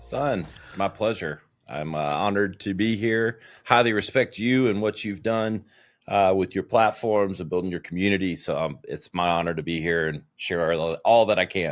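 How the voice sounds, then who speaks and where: With a Southern US accent, the speaker keeps a moderate pace and ordinary pitch variation on a very clean recording with a silent background. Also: man, fairly low pitch for a man. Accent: Southern accent, still present. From South Carolina, Greenville area. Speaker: podcast host and marketing entrepreneur. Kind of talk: casual interview chat.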